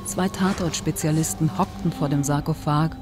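Narrator: man, measured scripted delivery for an audio drama, clear music bed. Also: on the high side, fairly even intonation.

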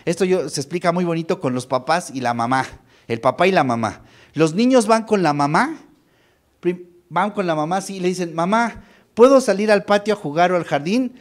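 A man with a Mexican accent giving a university lecture, animated, addressing students with rhetorical questions. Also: high-pitched. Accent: Mexican Spanish.

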